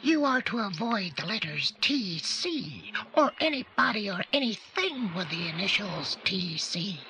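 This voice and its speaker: An ominous old gypsy fortune teller in an audio play. The voice is slow and piercing, swooping up and down as it hands out cryptic, portentous warnings. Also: female voice, mid-range voice, sing-song, pushed and bright, full character voice. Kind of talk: 1980s audio drama acting. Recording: slightly noisy old audio play transfer.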